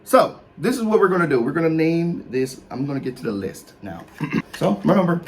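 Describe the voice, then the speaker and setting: A man's voice: fairly high pitch, lively intonation, brisk. A man in his thirties speaking African American English, explaining slang and reading out a list in an emphatic, mock-official comedic way with casual asides. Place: small room with posters, indoors.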